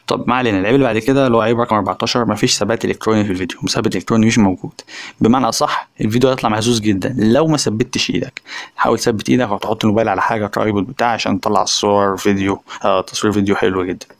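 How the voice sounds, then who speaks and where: A man's voice: on the low side, steady tone, racing. A man with an Egyptian accent giving a casual, chatty phone review voice-over, speaking directly to viewers. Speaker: tech reviewer.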